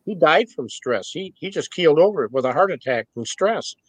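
A man's voice: on the high side, expressive, moderate pace, no room sound, poor audio. A man in his sixties being interviewed, talking in a rambling, folksy way and chuckling between points. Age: 60s. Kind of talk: casual spoken interview.

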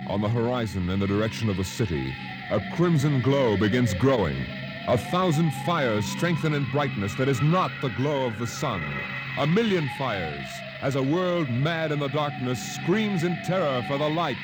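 A man playing a grave, ominous narrator with an American accent in a 1950s radio drama, in drawn-out dramatic phrasing. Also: medium pitch, animated, close to an everyday voice, rough recording. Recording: old radio recording, loud music.

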